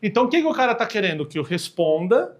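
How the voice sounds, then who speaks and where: A man's voice: high-pitched, sing-song, quick pace, a crowd in the background. A man with a Brazilian accent, a podcast guest chatting casually in a slangy way and acting out quoted lines. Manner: slangy, acts out quoted dialogue in voices. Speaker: podcast guest, communication expert.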